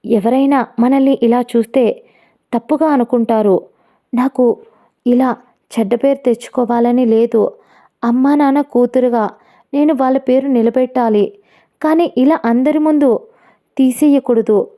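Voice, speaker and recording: A woman's voice: fairly high pitch, steady tone, normal speed, pauses often, dark tone, lightly acted. Woman voicing an anxious young wife. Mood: defiant. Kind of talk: storytelling narration.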